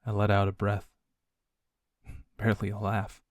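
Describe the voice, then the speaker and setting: Low-voiced man, hushed measured narration. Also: monotone, no echo. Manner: measured, hushed, with deliberate dramatic pauses. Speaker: audiobook narrator and voice actor. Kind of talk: scripted dramatic audiobook narration.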